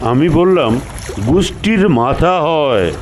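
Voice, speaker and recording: A man's voice: fairly high pitch, animated, takes it slowly, noisy background. A man narrating a story expressively as the storyteller.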